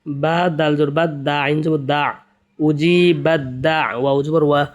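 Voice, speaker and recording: A man teaching Quran reading to beginners, chanting letter-by-letter spellings slowly and explaining the rules in quick asides. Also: a little high, level tone, muffled recording. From Bangladesh. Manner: slow sing-song spelling chants, then quick spoken explanations. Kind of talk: spelling out Arabic letters and vowel marks for beginners.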